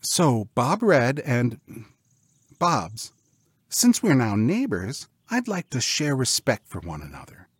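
A man's voice: mid-range voice, wildly swooping pitch, slow, breathy edge, no echo, clean studio sound, pitched above the performer's own voice, full character voice. A man voicing a proper, exasperated woman schoolteacher in a storybook, with a sarcastic, correcting manner. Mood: relieved, composed.

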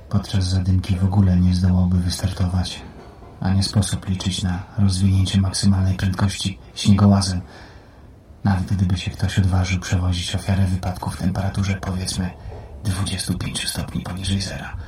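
Actor as an articulate, low-voiced educated man. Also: completely flat delivery, normal speed, darkish tone, slight background noise, lightly acted. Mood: matter-of-fact. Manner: precise, articulate, controlled. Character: educated male job applicant, ex-teacher writer, coolly self-assured. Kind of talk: audiobook radio play acting.

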